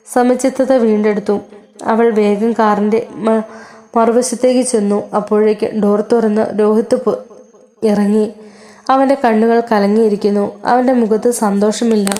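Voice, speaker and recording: A woman reading a serialized story aloud, steady and even, with small slips and restarts along the way. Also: medium pitch.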